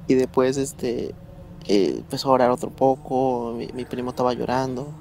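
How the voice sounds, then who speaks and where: A man telling a true story in a casual, halting way, often repeating words as he remembers. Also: medium pitch, fairly even intonation, vocal fry, mellow, a little hiss or hum. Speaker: guest storyteller.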